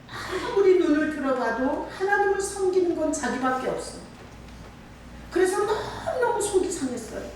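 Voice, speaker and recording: A high-voiced woman pastor preaches a sermon in a church sanctuary, conversationally asking the congregation questions. She is recorded from far off in an echoey hall with slight background noise.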